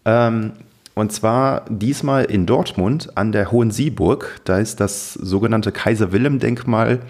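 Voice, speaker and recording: A man's voice: lowish voice, a little slow, a little mellow. A man co-hosting a podcast in informal, colloquial chat. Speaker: podcast co-host.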